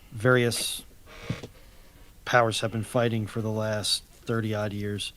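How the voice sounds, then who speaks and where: A man in a casual panel discussion, explaining his points in a measured way with some hesitant restarts. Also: medium pitch, slight background noise. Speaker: livestream panelist.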